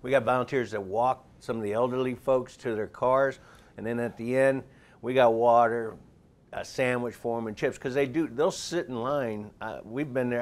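A middle-aged man talking in a chatty, promotional way in a TV studio interview, gesturing as he speaks, on a lapel mic. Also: mid-range voice. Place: TV studio set.

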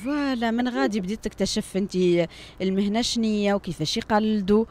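A woman's voice: mid-range voice, fast talker, darkish tone. A young woman with a Tunisian accent hosts a casual live radio interview in a chatty, encouraging way from a studio. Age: young adult. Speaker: radio host. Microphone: studio microphone and headset.

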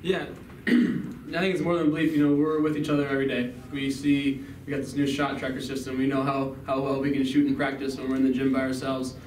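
Fast-talking young man in an echoey room. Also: medium pitch. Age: young adult. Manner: steady, fluent, frequent "um, you know". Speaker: college basketball player. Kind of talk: postgame press conference answers. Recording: echoey room, mic at a distance, background noise.

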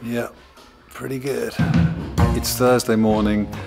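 A man's voice: medium pitch, level tone, slow, creaky, loud music behind the voice. A middle-aged man speaking casually and in an understated way, filming a handheld video diary inside a large barn. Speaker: vlogger building a recording studio in a barn. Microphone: handheld camera at arm's length.

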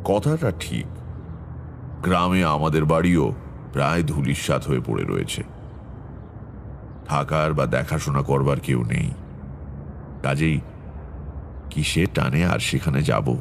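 A middle-aged tantric telling his horror tale, super deep slow voice, reflective. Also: vocal fry, a little hiss or hum, full character voice. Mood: wistful. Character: middle-aged male tantric astrologer recounting his past. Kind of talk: dramatic first-person horror story narration. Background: background music.

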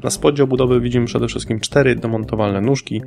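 Male reviewer, mid-pitched, slightly gravelly, measured scripted voice-over with faint music underneath. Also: steady tone, darkish tone. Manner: precise, measured technical delivery. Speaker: hardware reviewer.

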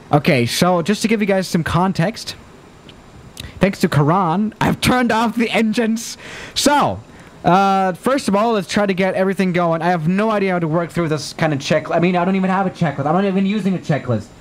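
Chatty young male streamer, slightly high. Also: moderate pace. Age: young adult. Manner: chatty, excitable, flustered by emergencies. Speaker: flight sim streamer. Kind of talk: live-stream commentary. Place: small room indoors. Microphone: studio mic on desk.

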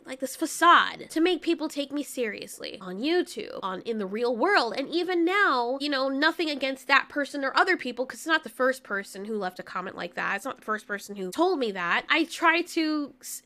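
A young woman from Brooklyn with a naturally squeaky voice, talking candidly to her YouTube audience. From Brooklyn, New York. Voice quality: high, squeaky voice. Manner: candid, animated, rants with rising frustration. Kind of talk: casual personal talk over gameplay footage.

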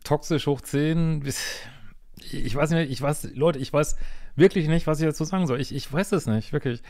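A psychologist commenting on a viewer's letter in casual, blunt talk, exasperated and swearing freely, with halting restarts and frequent tag questions. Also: male voice, a little high, a little mellow.

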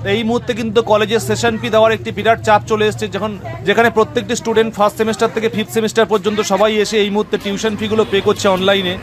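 A young Bengali-accented man talks very fast in a high voice, keeping his pitch fairly flat and even. He explains things in a brisk, instructive way. Faint street noise sits behind him. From West Bengal, India. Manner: brisk, instructive, addresses viewers as friends. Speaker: cyber cafe owner and channel host. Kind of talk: explanatory voice-over narration.

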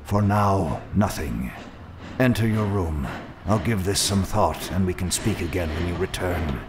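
A man playing a formal, guarded manor attendant in an audio drama, speaking in a measured, dryly understated way. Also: deep voice, background noise. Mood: measured, earnest.

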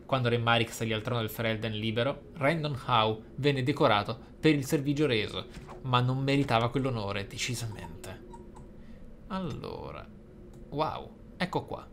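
This man's voice is medium in pitch and a bit bright, with lively intonation at a normal speed. Hosting a role-play gaming video, he comments thoughtfully, explains what's happening and reads some in-game text. Faint noise and game ambience are present.

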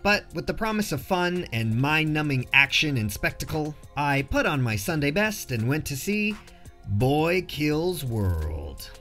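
A man's voice: a little high, big pitch swings, unhurried, a bit bright, soft background music. A man narrating a casual scripted film review in a jokey, slangy way.

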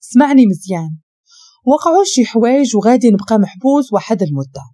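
A woman with a Moroccan accent voicing a calm, guarded man, speaking in a measured way in a storybook reading. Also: fairly high pitch, no room sound, studio quality.

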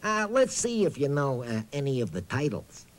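A man's voice: medium pitch, very animated, moderate pace, close to an everyday voice. A man voicing a friendly, absent-minded talking boot who hosts a children's reading show in a hesitant, chatty way. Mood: chatty, quizzing. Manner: hesitant, bumbling, chatty, hums nonsense syllables. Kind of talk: playful children's educational presenting.

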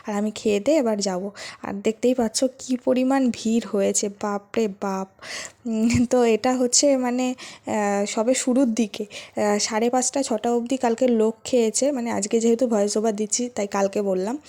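A woman vlogger chatting casually to her viewers, narrating her day in a friendly, talkative way. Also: fairly high pitch. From Bengal. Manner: talks softly so the child keeps sleeping. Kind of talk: casual vlog voice-over.

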